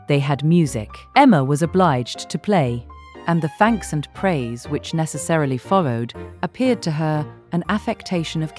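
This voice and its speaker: A woman reading scripted literary narration as an audiobook narrator in a measured, articulate way. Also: low voice. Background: soft instrumental music.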